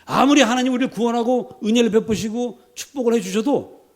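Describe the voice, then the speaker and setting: Preaching in a church sanctuary with an extremely high-pitched voice at a fairly quick pace, this pastor is dramatic and emphatic. He performs the quotations he cites and climbs to emphatic peaks.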